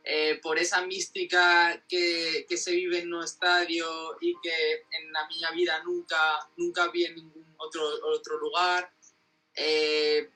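A Spanish man in his twenties gives casual interview answers with a native Spanish speaker's accent. His voice is slightly high and very bright, and he often pauses to search for words. He sounds a little distant from the mic, with faint music behind. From Spain. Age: 20s. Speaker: interview guest, football fan.

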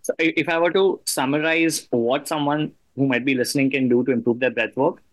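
A man's voice: medium pitch, steady tone, fairly quick. A man with a mid-range voice hosts a conversational interview. He sums up points with enthusiasm and affirmation. The sound is dry, with no room echo. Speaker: podcast host. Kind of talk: conversational interview, summarizing advice.

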